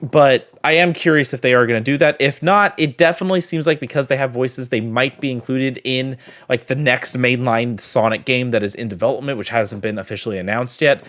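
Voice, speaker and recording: A man with a chatty, expressive manner hosting a reaction video and giving casual commentary and review. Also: medium pitch, fairly quick.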